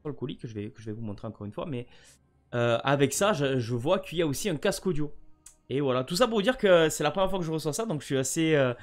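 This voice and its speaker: A man's voice: on the high side, animated, fast talker, faint music behind. A French man chatting casually to camera about a gift, often rambling and stammering over his words. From France. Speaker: gaming vlogger.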